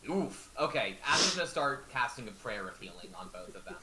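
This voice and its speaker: A man's voice: medium pitch, very animated, fairly quick. A man chatting casually and narrating his character's actions as a player in a tabletop game. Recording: clear background hiss and noise.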